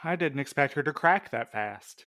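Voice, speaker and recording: A man's voice: medium pitch, lively intonation, normal speed, bright, forceful tone, dry recording. Guy playing a casual courier, kinda defensive, frank, dry close audio drama sound. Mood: sheepish, defensive. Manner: conversational, frank. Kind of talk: scripted audio drama acting.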